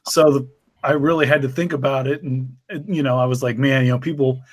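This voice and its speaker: A man's voice: mid-range voice, fairly even intonation, a little fast, no room sound. A man, a writer, rambling in a reflective way about his writing in a casual podcast chat.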